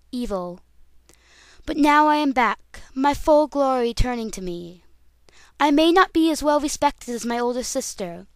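A woman's voice: sits high, smooth, no room sound. A woman voicing a regal, solemn cartoon pony princess with a grand, formal, declamatory delivery.

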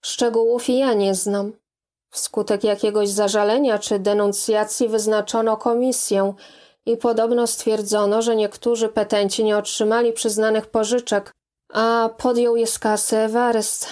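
A woman's voice: a little high, flat delivery, moderate pace, a little mellow, natural voice. A woman reading the part of a hesitant, evasive young man who speaks in a soothing, careful way.

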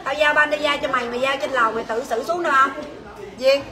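A woman's voice: high voice, steady tone, quick pace, crowd noise. A woman selling jewelry on a livestream from her shop, chatty and bossy, teasing her staff and calling out prices. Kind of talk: livestream sales pitch.

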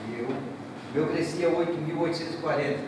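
A man's voice: on the high side, fairly even intonation, fast talker. A middle-aged man from southern Brazil gives an emotional, repetitive speech at a ceremony, speaking from the heart and gesturing broadly. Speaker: real estate broker giving a speech. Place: large indoor hall. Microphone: distant room mic. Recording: echoey hall, distant mic, noisy.

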